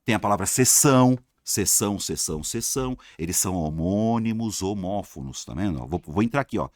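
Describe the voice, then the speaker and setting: Animated man teaching, dry sound. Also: on the low side, fairly quick, dry recording. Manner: animated, repeats words for emphasis, acts out student questions. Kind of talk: video lesson.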